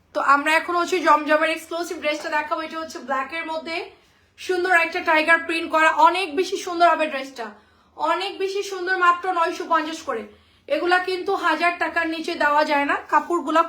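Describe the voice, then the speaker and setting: Raised and projected, a woman's extremely high-pitched voice holds a fairly even intonation. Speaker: online clothing seller. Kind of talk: live sales pitch.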